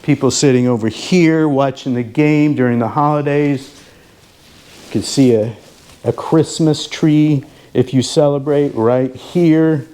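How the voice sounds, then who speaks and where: A man presenting a home tour as a real estate advisor, talking informally and directly to viewers with a sales pitch. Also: a little slow, dark tone. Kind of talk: casual home tour vlog, sales talk. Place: inside a model home.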